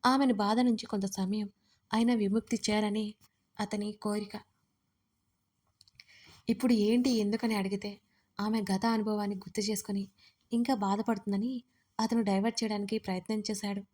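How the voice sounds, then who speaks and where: A woman's voice: medium pitch, steady tone, normal speed, pauses often, a little mellow. A woman narrating an emotional audio story in a scripted reading style.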